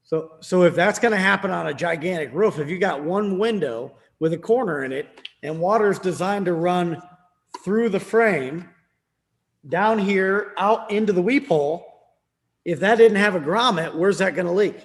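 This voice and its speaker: High-voiced man quizzing a room. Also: moderate pace, gravelly. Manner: quizzing the room with frequent "right?". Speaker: window sales trainer. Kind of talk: training session with questions.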